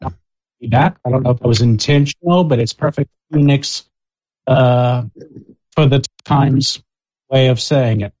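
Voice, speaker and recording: A man's voice: mid-range voice, unhurried, pauses often, darkish tone, no room sound, rough recording. A man chatting casually on a group voice call, his audio wobbling and warbling like a robot. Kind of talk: casual chat.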